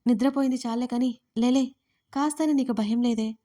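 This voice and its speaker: A woman's voice: on the high side, steady tone, fairly quick, dark tone, natural voice. A woman voicing a playful young woman who teases her sister-in-law in an audio story. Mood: teasing. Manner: teasing, mock-dramatic.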